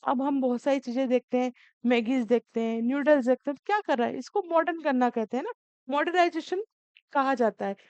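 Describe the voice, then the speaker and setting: Woman teacher, high voice, coaxing exam prep, dry lo-fi recording. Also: a little fast, darkish tone, clean tone, no room sound. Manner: scolding, coaxing, calls students beta.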